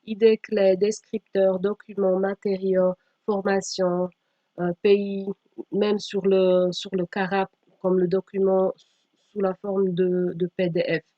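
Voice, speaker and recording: A woman giving a slide presentation as a teacher trainer, speaking haltingly with frequent pauses and sometimes reading aloud. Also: mid-range voice, little pitch movement. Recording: dull, echoey room sound.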